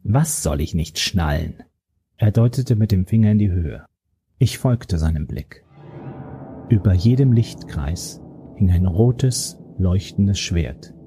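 A man reading a first-person audiobook in a steady, grave manner. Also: fairly low pitch, takes it slowly, a little hiss or hum. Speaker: narrator.

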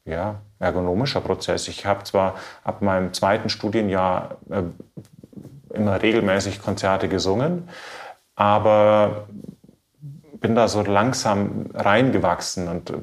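A man from Bavaria, a trained baritone, giving reflective, measured interview answers and searching for his words. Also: fairly even intonation. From Bavaria, Germany. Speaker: classical baritone singer being interviewed.

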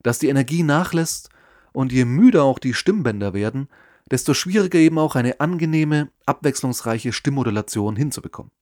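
A man giving scripted advice on public speaking, in a measured, explanatory way with lively emphasis. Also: medium pitch, no room sound, studio quality. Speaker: podcast host and speaking coach.

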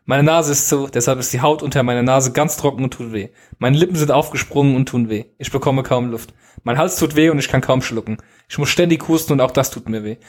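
A man's voice: medium pitch, brisk. A man co-hosting a casual podcast from home, reading listener mail aloud and chatting in a teasing way. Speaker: podcast co-host.

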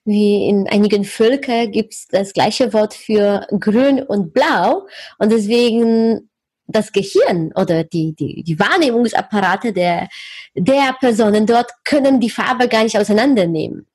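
A woman born in Poland hosting an interview podcast, speaking lively conversational German, laughing often and searching for words now and then. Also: medium pitch, measured pace, husky, no echo. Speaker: podcast host.

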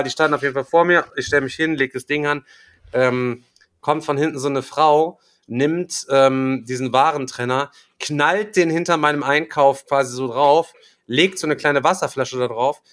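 A young man hosting a podcast tells a story in loose, slangy chat and keeps throwing in filler words. His voice sounds bright and forceful, sitting at a middle pitch. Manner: slangy, rambling storytelling full of "Alter" and "Digga". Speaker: podcast host. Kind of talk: casual chat.

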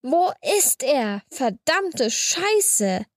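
A woman voicing a betrayed wife in a read short story, raising her voice higher than her narration. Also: fairly even intonation, moderate pace, no echo, studio quality, natural voice. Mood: furious. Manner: shouting, then cool and polite. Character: angry betrayed wife, middle-aged woman. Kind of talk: audiobook reading.

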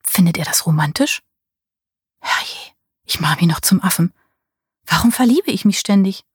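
Eine Frau liest eine eifersüchtige, verliebte junge Frau mit bissigem, sarkastischem Ton. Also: female voice, medium pitch, animated, moderate pace, slightly rough, dry recording, studio quality. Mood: brooding, sarcastic. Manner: biting, sarcastic. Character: jealous young woman in love, sharp-tongued.

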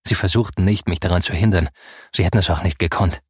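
Low husky guy reading an audiobook, soft and grave, dry audio. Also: fast talker, dry recording. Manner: soft, grave first-person storytelling. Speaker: narrator. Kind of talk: audiobook narration.

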